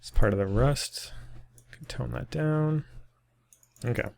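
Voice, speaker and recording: A man narrates a casual screen-recorded 3D texturing tutorial. His voice is gravelly at mid pitch and a little worn, as if he is losing it. He thinks aloud as he works, with frequent ums and uhs. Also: slow pace, a little mellow. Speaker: 3D modeling tutor.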